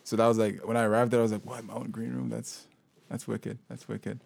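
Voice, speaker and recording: A young man from Sudan, a local hip-hop artist, talking about his music in a relaxed, rambling way with many fillers and restarts. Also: on the low side, a little fast, gravelly, no echo. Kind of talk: casual interview conversation.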